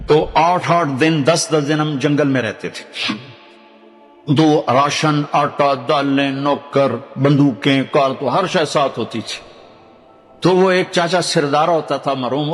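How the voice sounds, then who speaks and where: An older man from Pakistan with a Punjabi accent, preaching a sermon and telling stories, dropping low to recite Arabic verses. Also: in a large hall. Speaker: Islamic preacher.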